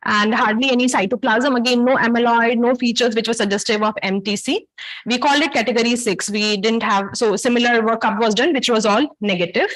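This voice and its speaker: A woman's voice: on the high side, steady tone, fairly quick, a bit bright, rough recording. A woman with a South Asian accent giving an interactive academic lecture as a medical teacher, in a didactic manner that puts questions to her listeners.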